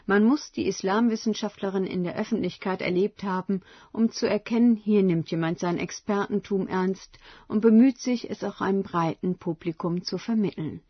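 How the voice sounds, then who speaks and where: A woman reporter reading a scripted radio feature in a measured, even way. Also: medium pitch, breathy edge, no echo, lo-fi sound.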